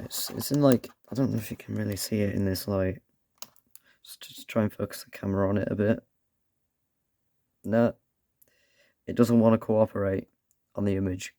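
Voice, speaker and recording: A man reviewing a toy with a croaky voice from a cold, rambling and dropping sarcastic asides. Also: fairly low pitch, darkish tone, dry recording, studio quality. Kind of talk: casual product review.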